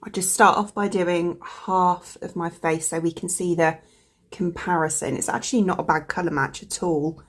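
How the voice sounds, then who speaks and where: A woman with a croaky voice from a cold, chatting casually as a beauty vlogger, rambling with lots of fillers. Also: on the low side, steady tone, normal speed. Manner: rambling, full of fillers like "like" and "you know". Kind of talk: chatty product review.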